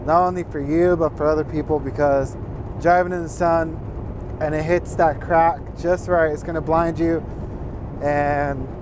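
A man's voice: on the high side, steady tone, measured pace. A young man driving a truck, earnestly giving casual advice to viewers and calling them guys. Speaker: truck driver giving tips. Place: inside a semi-truck cab while driving. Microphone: fixed dash camera. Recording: road noise in a moving truck cab. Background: road and engine noise.

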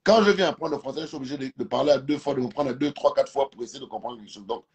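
A Gabonese man whose first language is Fang lies on his couch at home, debating casually and emphatically on a live stream video call through a phone camera held close. He races along in a darkish, medium-pitched voice, often repeating words as he searches for them.

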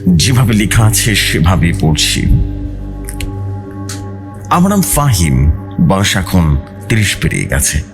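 A man's voice: sits low, big pitch swings, takes it slowly, pauses often. A man reading a scripted horror story aloud in a suspenseful, theatrical way. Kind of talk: dramatic scripted horror narration, read aloud. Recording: music bed behind the voice.

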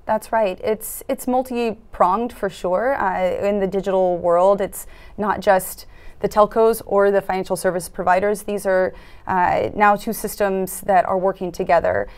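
A woman in her thirties giving earnest interview answers in a studio, often pausing with fillers and restarting her sentences. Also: mid-range voice, steady tone, darkish tone. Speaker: foundation program officer, interviewee. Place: dark studio set at a conference.

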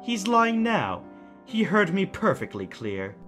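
A man playing a calculating, smugly theatrical kidnapper in an audio drama, mocking with drawn-out, deliberate phrasing. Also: high voice, wildly swooping pitch, fairly bright tone, faint music behind, heavily acted. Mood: sly goading.

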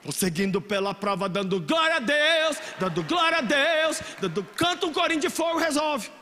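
A middle-aged man with a Brazilian accent, preaching a dramatic, emotional sermon to a youth congregation, swinging from soft asides to shouting. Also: very high voice, big pitch swings, moderate pace. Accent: Brazilian Portuguese. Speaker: pastor. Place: large church hall with a youth congregation. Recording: long hall reverb with music behind.

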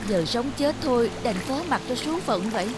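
Grave, dramatic sea-fable figure, acted by a woman, slightly high, clear music underneath. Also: animated, normal speed, lightly acted. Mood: grave, lamenting.

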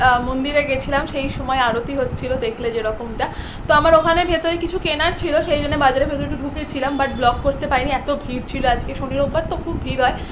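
A young woman vlogging her day in a chatty way, mixing in English words, filmed on a phone at home and on busy streets. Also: high voice. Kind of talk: casual daily vlog chat. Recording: noisy street and room background.

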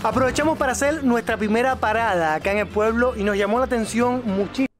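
A man's voice: extremely high pitch, fast. A young man with a Cuban accent, narrating a scripted travel vlog outdoors to a phone held at arm's length, upbeat and chatty. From Cuba. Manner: upbeat, chatty presenting to camera. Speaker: travel vlogger. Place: outdoors in a village. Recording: video played on a stream, with music.

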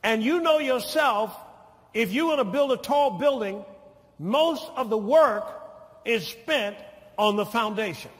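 High-voiced older preacher in a reverberant church. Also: male voice, animated. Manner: slow, deliberate teaching that builds to shouted preaching with calls for amen. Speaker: pastor. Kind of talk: sermon. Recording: long hall reverb of a church.

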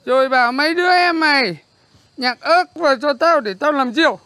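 A woman's voice: high voice, lively intonation, fairly quick, pushed and bright, dry recording. An actress playing a bossy, harsh young village woman who scolds and orders people around, in a television drama. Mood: scolding.

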